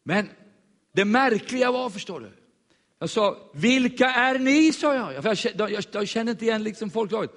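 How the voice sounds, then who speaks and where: A man preaching, telling a lively story and acting out the voices of the people in it. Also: high voice, big-room sound. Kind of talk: sermon storytelling.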